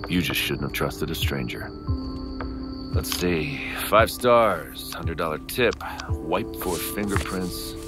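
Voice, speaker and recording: Cocky armed robber in an audio drama, deep lively voice, taunting, loud music under it. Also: male voice, slow, exaggerated voice. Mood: smug. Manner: taunting, swinging from casual to shouting. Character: cocky smooth-talking male armed robber posing as rideshare passenger. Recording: loud music bed behind.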